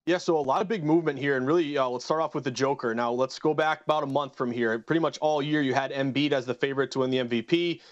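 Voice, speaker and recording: Fast-talking betting analyst on a dull line. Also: male voice, mid-range voice, fairly even intonation, dry recording. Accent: slight Boston. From western Massachusetts. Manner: brisk, number-heavy, upbeat. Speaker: sports betting analyst guest. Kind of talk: rapid betting rundown. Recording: dry, dull remote line.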